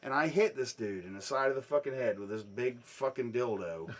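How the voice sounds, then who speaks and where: A man telling a swear-filled story in a casual chat, dropping low and then bursting into loud shouts. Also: a little fast. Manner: profane, animated, swings from hushed to shouting.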